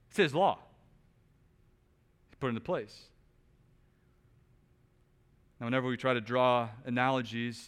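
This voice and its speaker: Bright-voiced preacher in a reverberant hall. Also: male voice, clean tone. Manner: rhetorical questions, rising to emphatic bursts then dropping low. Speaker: pastor. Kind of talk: sermon. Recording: long reverb of a large hall.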